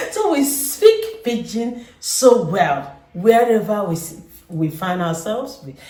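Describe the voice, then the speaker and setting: The speaker has a Nigerian accent. Noticeable background noise and audible room echo fill the recording. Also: woman. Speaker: vlogger. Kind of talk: casual talk to camera. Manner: animated.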